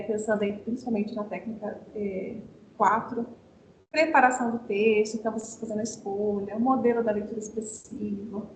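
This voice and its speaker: A Brazilian woman explains classroom methods to teachers over a video call, asking questions and then answering them herself. Her voice sits a little high. The sound is roomy and echoey, with a faint low rumble underneath. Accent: Brazilian Portuguese. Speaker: teacher trainer. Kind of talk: online teacher training talk.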